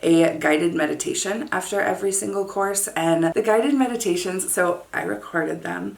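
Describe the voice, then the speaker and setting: A low-voiced woman talks straight to camera in a relaxed, chatty vlog, dropping in plenty of "like" and "um". Her voice has a gravelly, fry-heavy edge. The room around her sounds noticeably echoey. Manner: chatty, informal, frequent "like" and "um". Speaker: vlogger and course creator. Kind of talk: casual talking-to-camera vlog.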